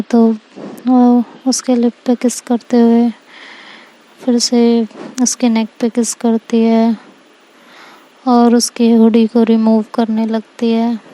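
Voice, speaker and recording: Woman telling a story, calm and steady, fairly high voice, flat delivery, mellow tone. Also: low-quality recording. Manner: calm, even retelling with frequent linking fillers. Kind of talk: story narration.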